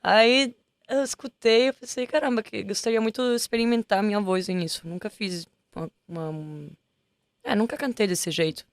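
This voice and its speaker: Woman, smooth voice, chatty. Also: mid-range voice, moderate pace, dry recording. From Italy. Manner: chatty, searches for words with many restarts. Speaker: guest singer. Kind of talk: casual interview chat. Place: music studio.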